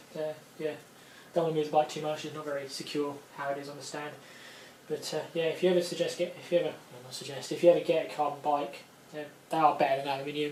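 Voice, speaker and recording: Mumbling male voice with a British accent, fairly high, very fast, and monotone, flat in intonation. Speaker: road cyclist. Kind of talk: casual talk to camera.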